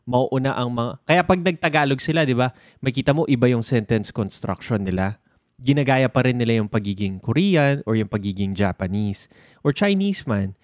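Expressive mid-pitched speaker, dry sound. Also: moderate pace, no echo. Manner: explaining patiently, mixes Tagalog and English. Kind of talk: casual chat.

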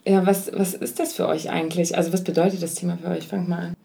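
Chatty woman podcast co-host, lowish voice. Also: level tone, fast, creaky, dark tone, a little hiss or hum. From Kazakhstan. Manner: chatty, laughs often, many fillers. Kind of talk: casual podcast chat.

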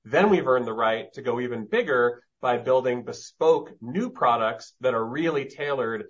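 Male executive on an earnings call, mid-pitched, emphatic and methodical, slightly lo-fi sound. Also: normal speed. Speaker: company executive. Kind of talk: earnings call explanation, business jargon. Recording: dull, lo-fi conference-call audio.

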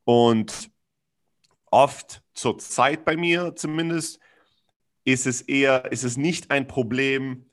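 A man's voice: mid-range voice, fairly even intonation, takes it slowly. A man talking reflectively about his feelings in a conversation, searching for words with many fillers and restarts, earnest and frank, dropping blunt slang.

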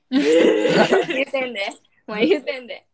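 A woman's voice: high voice, slow pace, crowd noise. A woman with a Kansai accent co-hosting a casual podcast chat, laughing often and teasing playfully. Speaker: podcast co-host.

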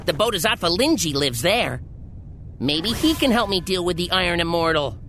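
A woman's voice: on the low side, animated, moderate pace, fairly bright tone, soft background music, voice pushed down. A woman voicing a bold, demanding male monkey king in a storybook reading.

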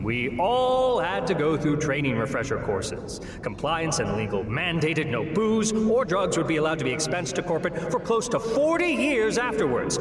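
A man playing a haughty, fussy demon in an audio drama, exasperated and scornful of humans. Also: high voice. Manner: exasperated, disdainful, theatrical. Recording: echoey hall with background noise.

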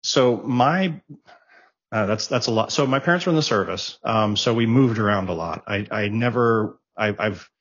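A middle-aged tech professional, born in Japan and raised abroad in Germany, chats as a guest in a casual interview. His lowish, slightly rough, a bit bright voice moves at a moderate pace, and he rambles through stories, restarting and repeating words; the sound is lo-fi.

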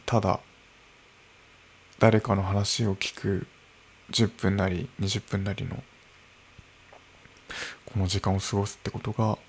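Guy in his early 30s, low gravelly voice, thinking out loud solo at home. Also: flat delivery, slight background noise. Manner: slow, musing, with soft laughs. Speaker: podcast host. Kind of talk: unscripted solo podcast talk. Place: room at home, alone. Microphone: podcast microphone.

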